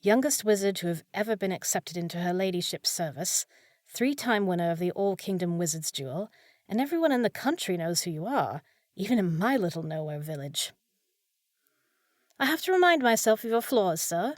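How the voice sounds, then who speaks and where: A woman's voice: fairly low pitch, sing-song, moderate pace, dry recording. Woman acting a fussy, caring young housekeeper, close-up. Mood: admiring, modest. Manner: scolding yet caring, flustered, proper. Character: short, fussy young village housekeeper devoted to a wizard. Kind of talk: scripted fantasy audio roleplay, spoken to listener.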